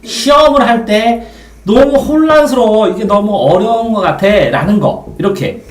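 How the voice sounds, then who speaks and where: A man's voice: high voice, normal speed. A man teaching a reading method, who asks questions and answers them himself in a repetitive, drilling way. The sound is roomy, from a mic at a distance.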